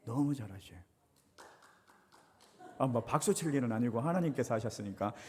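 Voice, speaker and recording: A middle-aged pastor preaching in a church sanctuary, telling a story and lively in his pitch as he acts out the people in it. His voice is a little husky, and a long hall reverb trails each phrase. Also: quick pace. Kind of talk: sermon with personal story.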